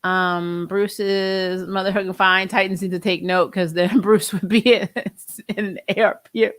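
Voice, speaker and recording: A woman in her forties hosts an unscripted chat, answering viewers with a rambling, talkative manner and frequent laughs. Her voice sits at a medium pitch and sounds dry and close, with no room echo. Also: flat delivery, measured pace, a bit bright. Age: 40s. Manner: chatty, rambling, laughs often. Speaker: host reading viewer comments. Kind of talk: casual livestream chat.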